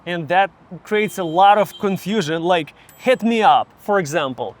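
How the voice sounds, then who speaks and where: A man from Ukraine, chatting casually and explaining things slowly while he walks outdoors, laughing often. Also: high voice, lively intonation. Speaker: vlogger and English tutor. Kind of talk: casual chat while walking. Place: outdoors in a city street.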